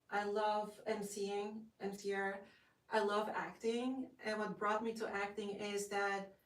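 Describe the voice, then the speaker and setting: A young Dutch woman with a Dutch accent, a guest actress talking with gushing enthusiasm and lots of fillers. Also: medium pitch. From Netherlands. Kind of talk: casual interview. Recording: roomy, distant from the mic.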